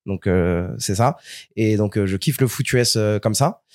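A man's voice: fairly low pitch, moderate pace, no room sound, studio quality. A young man from France, a guest in a casual interview, telling stories with animation and frequent restarts. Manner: animated storyteller, repeats words as he restarts.

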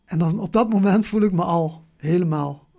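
A person with a southern Dutch accent talking reflectively in an interview, haltingly, often searching for words and repeating them. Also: medium pitch, gravelly, mellow. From Venlo, Limburg, Netherlands. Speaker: interview guest.

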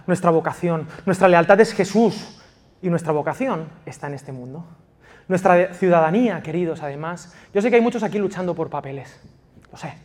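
A man from Spain preaching a passionate sermon as pastor of a church, swinging from loud emphasis to quiet intimacy. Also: fairly high pitch. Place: church in Valencia.

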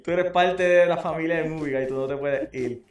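Man, podcast host, animated casual chat, echoey room. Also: fairly high pitch, normal speed, a little hiss or hum. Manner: animated, mixes English phrases into Spanish. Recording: roomy echo with faint music.

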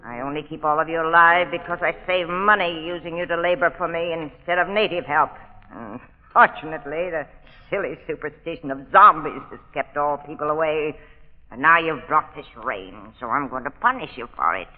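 An actress playing a cruel, imperious plantation mistress in old radio drama style, with a commanding, theatrical delivery. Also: female voice, low voice, a little fast, lightly acted. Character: cruel, imperious female plantation mistress enslaving drugged men. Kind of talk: 1940s radio drama acting. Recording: old muffled radio recording, long reverb.

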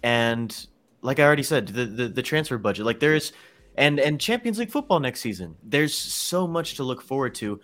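A man's voice: medium pitch, very animated, normal speed, a bit bright. A man co-hosting a casual fan podcast, talking earnestly and in detail. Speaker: podcast co-host.

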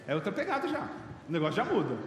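A high-pitched Brazilian man in his late thirties, playful and chatty, jokes his way through a motivational talk. He speaks from a stage in a large hall, and his voice echoes with a long reverb. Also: huge pitch swings, fast talker, some chatter behind, a little hiss or hum. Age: late 30s. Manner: joking, chatty, playful asides to the audience.

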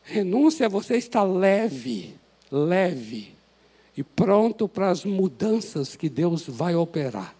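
High-voiced Brazilian pastor preaching. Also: male voice, sing-song, slow pace, husky. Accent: Brazilian Portuguese. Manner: impassioned, rises to shouts then drops to soft prayer. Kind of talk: sermon. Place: church sanctuary.

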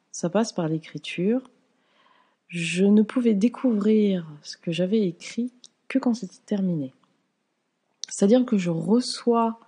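Woman, 40s, spiritual author; unhurried, reflective delivery, mellow low-ish voice. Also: breathy edge. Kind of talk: explanatory talk to camera.

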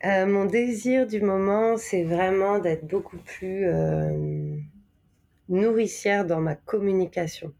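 Slow and dark-toned, this medium-pitched woman's voice carries vocal fry. She comes from Normandy, France, has a French accent, and reflects aloud as a podcast guest in a conversational interview, hunting for words and emphasizing the important ones.

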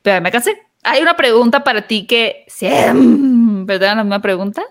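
A woman's voice: on the high side, lively intonation, normal speed. A young adult woman with a northern Mexican accent, hosting a podcast interview in a chatty, easygoing way. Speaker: podcast host, celebrity interviewer.

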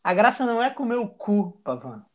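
A man's voice: sits high, big pitch swings, fairly quick. A man, a podcast guest talking in a crude, slangy, boisterous way. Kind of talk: casual chat.

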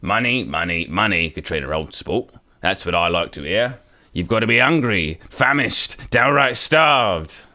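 A man doing a forceful Cockney paparazzo. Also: sits low, very animated, measured pace, full character voice.

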